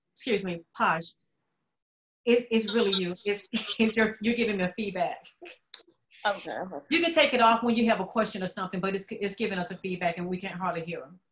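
A somewhat breathy woman speaks at a fairly quick pace. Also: ordinary pitch variation. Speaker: podcast host. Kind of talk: casual interview. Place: home room. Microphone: video call.

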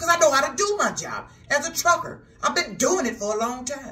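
Her voice is raised and projected. The woman's pitch moves across a very wide range. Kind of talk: casual vlog chat. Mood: frustrated, venting. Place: home room. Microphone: camera far.

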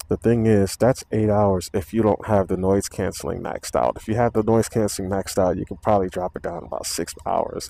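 Light background noise accompanies a man with a dark, mellow tone and fairly low pitch. He speaks at a moderate pace. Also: dry sound with no echo. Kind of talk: casual vlog chat. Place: motorbike. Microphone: helmet.

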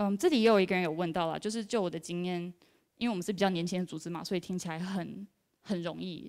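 Against a quiet background, a woman talks very fast with fairly even intonation. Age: 20s. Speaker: designer at an education nonprofit; conference speaker. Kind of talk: conference talk. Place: hall. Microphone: handheld.

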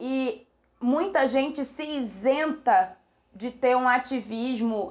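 A woman speaks at a very slow pace, her pitch high with ordinary variation. The background is quiet. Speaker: YouTuber and film critic; YouTuber. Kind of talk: video essay to camera. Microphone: webcam.

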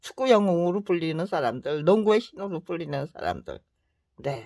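On a very clean recording with a silent background, the speaker talks at a very slow pace. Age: 70s. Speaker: YouTuber, self-styled author. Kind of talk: solo monologue to camera. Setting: at home, camera recording. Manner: halting, frequent filler 네.

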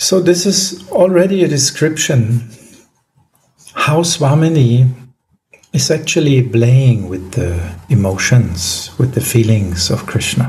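Speaking very slowly in a German accent, a man uses a medium pitch with very wide pitch swings. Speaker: spiritual teacher leading scripture study. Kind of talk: scripture reading and commentary; spiritual discussion, explanatory talk. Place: home room.

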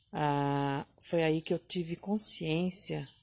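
At a very slow pace, a woman speaks in a very deep, low pitch with fairly even intonation. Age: 50s. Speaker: retiree giving customer testimonial. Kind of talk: testimony. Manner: slightly halting. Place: garden. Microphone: phone near.

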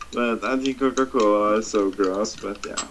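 With a Norwegian accent, a man speaks at a fairly slow pace with ordinary pitch variation over light background noise. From Norway. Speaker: gaming video co-player. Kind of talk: casual chat while playing a video game. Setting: online voice chat with poor audio. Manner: halting, fumbling for English words. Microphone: headset.

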